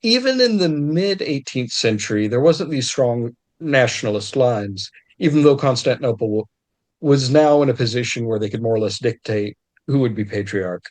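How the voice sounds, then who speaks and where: Animated man explaining history in detail. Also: medium pitch. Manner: detailed and explanatory, restarts phrases often. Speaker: historian guest. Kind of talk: scholarly conversational explanation.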